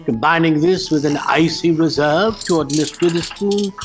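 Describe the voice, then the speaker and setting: An actor playing a coolly logical, formal adviser in a comedic radio play, speaking with detached precision. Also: male voice, fairly high pitch, normal speed, faint music behind, close to an everyday voice. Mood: coolly analytical.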